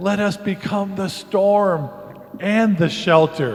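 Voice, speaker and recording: A man puts on a character voice, high-pitched, breathy and soft-spoken. He goes at a very slow pace over light background noise. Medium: read story. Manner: calm, gentle, soft.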